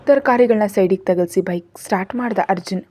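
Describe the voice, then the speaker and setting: A woman's voice: medium pitch, brisk, warm tone. A woman reading a romantic family story aloud as a storyteller, voicing the characters' lines in her own narrating voice.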